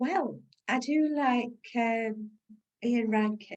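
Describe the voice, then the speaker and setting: Ordinary pitch variation colors this woman's speech. She has a northern English accent. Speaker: crime novelist. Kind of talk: interview. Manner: halting.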